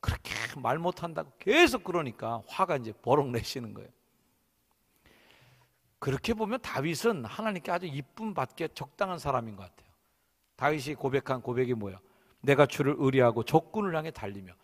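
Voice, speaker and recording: A man preaching a sermon in a church sanctuary, animated and playing out the voices of his stories. His voice sits fairly high, swings widely, and has a bright, gravelly edge. Long hall reverb carries his words. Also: fairly quick. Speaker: senior pastor.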